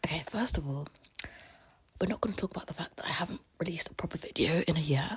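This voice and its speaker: Against noticeable background noise, a woman with a British accent speaks quietly at a very fast pace in a fairly low pitch, with lively intonation and long, frequent pauses. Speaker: YouTuber. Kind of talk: casual vlog reaction. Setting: home at night. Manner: animated.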